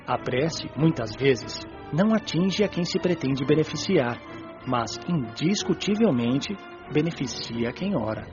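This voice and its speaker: A man playing a calm, wise spirit guide in a radio drama, explaining things in a composed, didactic way. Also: on the high side, unhurried, highs cut off. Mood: calm, instructive. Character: calm, wise male spirit mentor, kindly instructive. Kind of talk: scripted radio drama dialogue. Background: music.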